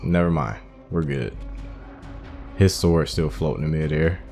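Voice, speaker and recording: Male gaming host, low-pitched voice, informal think-aloud play commentary with faint music behind. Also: unhurried, a little mellow. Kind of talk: casual gameplay commentary. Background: game music.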